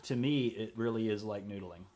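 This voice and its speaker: A man with a Southern US accent and a folksy old-gentleman drawl, making wry, casual commentary over an art video. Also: fairly low pitch, brisk, a little hiss or hum. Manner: wry, joking.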